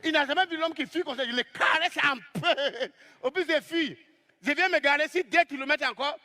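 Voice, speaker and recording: A man telling a comic story on stage as a stand-up comedian, lively and exclaiming as he acts out the scenes. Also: very high voice, moderate pace.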